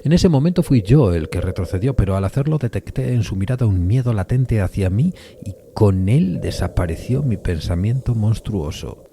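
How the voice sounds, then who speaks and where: An actor playing a courteous, uneasy gentleman who recounts an eerie encounter in formal, deliberate suspense narration. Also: lowish voice, lively intonation, slight background noise. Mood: measured suspense. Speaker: narrator of an audio drama. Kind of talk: dramatized first-person suspense story narration.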